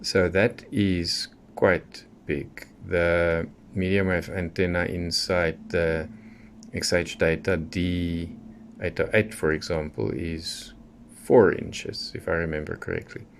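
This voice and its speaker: Male, deep voice, hobbyist reviewer talking casually and matter-of-factly, clear background noise on the recording. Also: slow pace. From South Africa. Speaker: radio hobbyist presenter. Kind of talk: casual unboxing review, unscripted.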